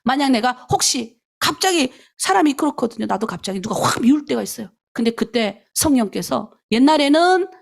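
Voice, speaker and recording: A woman's voice: high-pitched, animated, a little fast, vocal fry, few pauses. A woman pastor preaching an early-morning prayer sermon and praying aloud, earnest and emphatic, putting rhetorical questions to her congregation.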